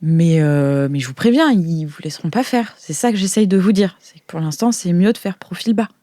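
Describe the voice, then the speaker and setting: A woman playing a low, mellow, flustered museum employee. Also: animated, brisk, no room sound, clean studio sound, close to an everyday voice. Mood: insistent, defensive. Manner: hesitant, explanatory, defensive. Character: flustered young woman, junior integration agent in a futuristic museum. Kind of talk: improvised roleplay.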